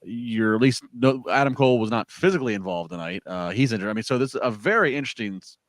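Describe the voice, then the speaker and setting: A man's voice: medium pitch, fast talker, dry recording. A man hosting a casual wrestling podcast, rambling through a show recap with many fillers and restarts. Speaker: podcast host.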